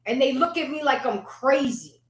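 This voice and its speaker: A fairly high-voiced woman talking with passion in a casual panel chat, cursing freely and tripping over repeated words as she builds a point. Her voice carries the echo of a bare, roomy space. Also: animated, moderate pace. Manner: emphatic, profane, repeats words when worked up.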